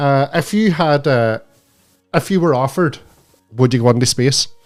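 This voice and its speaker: A fairly high-pitched man in a Northern Irish accent, at a moderate pace with ordinary pitch variation and very even loudness, over music in the background. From Northern Ireland. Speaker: podcast host. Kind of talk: casual chat.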